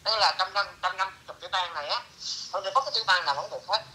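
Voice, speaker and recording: A middle-aged man tells a story in a casual, lively way, his voice very bright and a little high. He drops into broken English phrases as he talks. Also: fast, a little hiss or hum, poor audio. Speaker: interviewee.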